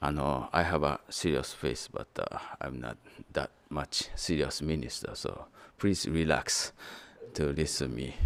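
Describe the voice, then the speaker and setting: The speaker talks at a fairly slow pace with fairly even intonation. Vocal fry runs through the voice. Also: man, very deep, low pitch for a man. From Japan. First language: Japanese. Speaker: Buddhist minister. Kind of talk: dharma talk. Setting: temple with in-person audience. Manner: halting, with fillers.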